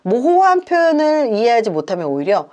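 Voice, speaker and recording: A woman's voice: fairly high pitch, very animated, a little fast, warm tone. A woman psychologist giving advice on communication, explaining point by point in numbered steps. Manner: explains in numbered points, acts out example lines.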